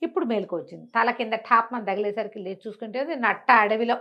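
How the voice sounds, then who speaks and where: A woman telling a story in an animated, conversational way, as an informal oral storyteller. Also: a little high, quick pace, muffled recording. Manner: conversational, acts out characters' dialogue.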